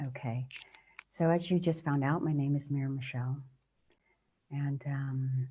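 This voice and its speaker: A woman's very deep, low voice with an American accent, dark and mellow in tone, somewhat breathy, at a moderate pace with fairly even intonation. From England and California. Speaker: workshop presenter, spiritual teacher. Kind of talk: online workshop talk. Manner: halting, with many repeats and fillers.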